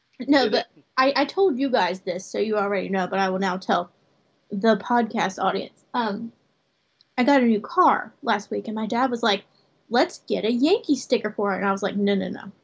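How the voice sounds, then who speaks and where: A woman speaks at a moderate pace in a fairly high, somewhat breathy voice with ordinary pitch variation. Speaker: blogger and podcast co-host. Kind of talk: casual chat.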